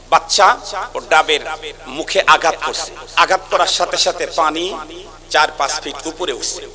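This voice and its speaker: A man from Bangladesh with a Bangladeshi Bengali accent preaching a waz sermon to a large gathering. He talks in a sing-song chant that swings from soft talk to shouts, and he keeps pressing the listeners to answer back. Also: a little high. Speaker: Islamic preacher. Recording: live sermon with crowd noise.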